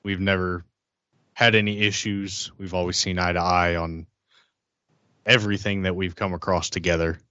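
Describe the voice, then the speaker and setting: Male player as guarded vampire politico for tabletop role-play: deep, earnest, halting, slightly muffled. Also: flat delivery, bright, forceful tone, clear, resonant tone, dry recording. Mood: earnest, loyal. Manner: halting, repeats phrases. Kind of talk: improvised role-play dialogue.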